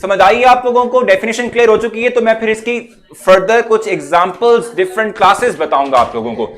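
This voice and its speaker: A man's voice: sits high, brisk, a bit bright. A young man with a Pakistani Urdu accent teaching a live online chemistry class, chatty and coaxing, checking in with students often.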